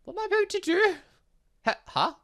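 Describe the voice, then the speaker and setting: A man giving let's play commentary on a game, excitable and reactive, reading dialogue aloud as he goes. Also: very high voice, a little fast. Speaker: gaming channel host.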